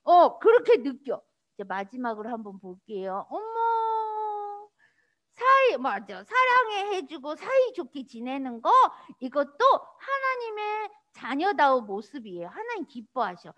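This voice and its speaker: A woman pastor giving a children's sermon, animated and sing-song, asking little children questions in a church worship room. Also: sits high, normal speed.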